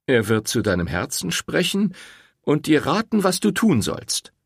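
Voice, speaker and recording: A man's voice: fairly high pitch, very animated, measured pace, vocal fry, slightly rough, dry recording, clean studio sound, voice pushed up, full character voice. A man voicing an uneasy village priest in an audiobook, stammering and soothing. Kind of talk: audiobook character voice.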